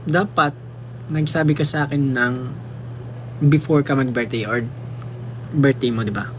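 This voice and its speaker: On a livestream, a young man with a Filipino accent reads out comments and teases his fans in a playful way, switching between Tagalog and English. He has a mid-range voice with a steady tone and unhurried pace, plus slight background noise.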